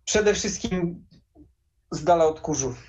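A man's voice: a little high, slow, darkish tone. A young man chatting casually and enthusiastically as an interview guest on a video call. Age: young adult. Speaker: interview guest, game collector. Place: small room lined with game shelves. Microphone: headset on a video call. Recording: dull lo-fi video call audio.

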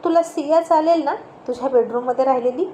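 A woman voicing a curious, gently teasing middle-aged mother in a storybook reading. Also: sits high, brisk, dull audio, natural voice. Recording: roomy echo, faint noise.

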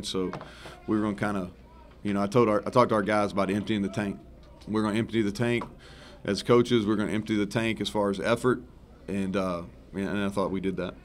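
A man's voice: fairly low pitch, a little hiss or hum. A man in his thirties, a head football coach, giving rambling, frank post-game answers at a press table full of microphones. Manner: rambling, self-correcting, relaxed and frank. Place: press conference room in front of a sponsor backdrop. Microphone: several table microphones in front of him.

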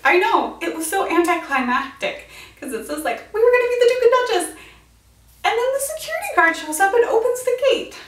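High-pitched American woman, chatty storyteller. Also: big pitch swings, a little fast. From United States. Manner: chatty, dramatic retelling with quoted reactions. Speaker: vlogger. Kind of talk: casual animated storytelling to camera. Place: indoors, small bright room with bookshelf. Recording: roomy echo, distant mic.

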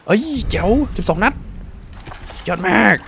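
A man doing casual let's-play commentary, excitable and exclaiming at the action. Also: sits high, unhurried, creaky, slight background noise. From Thailand. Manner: excitable, exclaims and swears at the game. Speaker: gaming streamer.

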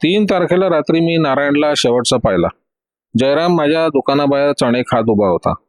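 A man's voice: fairly high pitch, lively intonation, fairly quick, natural voice. A man voicing a middle-aged male street snack seller giving a matter-of-fact statement. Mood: plain.

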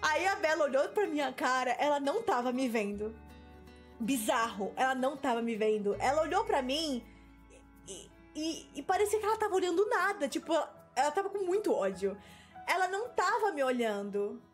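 A young woman with a Brazilian Portuguese accent, telling a story in casual chat as a gaming video host, animated and quick to act out what people said. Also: high-pitched, soft background music. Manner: animated, laughing storyteller who acts out quotes. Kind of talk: casual storytelling while playing a game.

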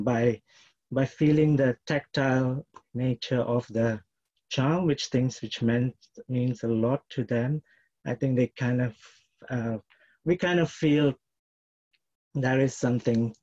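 A middle-aged man from Malaysia, a dancer and choreographer, introducing his work haltingly with many fillers over a video call. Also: medium pitch, mellow. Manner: hesitant, many restarts and fillers. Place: plain room at home. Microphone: laptop webcam on video call. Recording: dull lo-fi video call audio.

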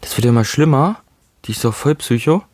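A man's voice: medium pitch, lively intonation, a little fast, darkish tone, dry recording. A man hosting a let's play, chatting casually and reading game texts aloud with jokey asides into a close mic. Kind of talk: casual gameplay commentary.

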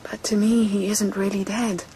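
An actress playing a steadfast, grieving noble widow in a radio drama, hushed and deliberate. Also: female voice, medium pitch, flat delivery, slight background noise, close to an everyday voice. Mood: mournful, devoted.

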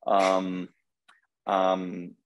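On a casual video call from a small room at his home, a middle-aged Argentine guest, who plays senior pro pickleball, talks in a low-pitched voice. The audio comes through a laptop webcam. He spins relaxed stories, often pausing and saying "um" while gesturing with his hands.

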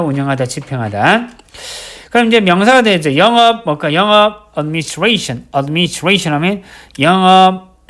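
A man teaching English vocabulary in a recorded lecture, repeating each word slowly and writing it out as he explains. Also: on the high side, a bit bright. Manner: drills words by slow repetition, writes as he explains.

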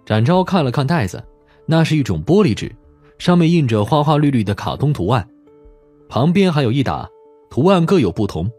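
A man's voice: mid-range voice, big pitch swings, a little fast, a little mellow, slightly rough. A man reading a detective audiobook as a scripted narration. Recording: music behind the voice.

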